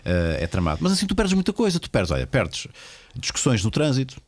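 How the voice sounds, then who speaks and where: A man's voice: mid-range voice, wildly swooping pitch, a little fast, dry recording. A man from Lisbon with a local Portuguese accent, hosting a casual interview and chatting in a teasing, rambling way full of "pá". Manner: teasing, rambling, uses filler "pá". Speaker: podcast host.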